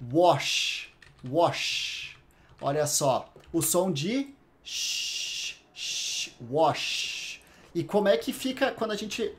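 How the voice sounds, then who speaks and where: A Brazilian man teaching a private English lesson, patiently explaining pronunciation and repeating English words slowly to demonstrate the sounds. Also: a little high. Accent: Brazilian Portuguese.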